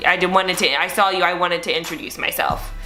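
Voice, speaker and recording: A woman's voice: on the low side, a little fast, pushed and bright, roomy sound, faint music behind. A young woman co-hosting a podcast, giving frank, slangy advice in a casual, emphatic way. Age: young adult. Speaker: podcast co-host.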